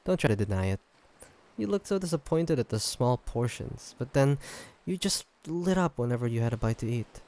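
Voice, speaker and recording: A man playing an affectionate, teasing boyfriend in a roleplay audio drama, talking casually and haltingly with a slightly gravelly voice. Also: medium pitch, expressive, close to an everyday voice. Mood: playful teasing. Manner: casual, halting, gently teasing, chuckling delivery. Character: affectionate, teasing human boyfriend on a fancy date. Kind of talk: roleplay audio drama, intimate one-sided conversation.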